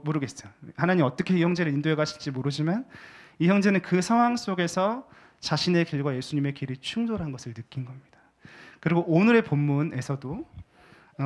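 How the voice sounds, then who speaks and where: A male pastor preaching a sermon in a church. He speaks in a conversational way, asks the congregation questions and drops to a hushed voice for emphasis. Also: on the high side. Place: church sanctuary.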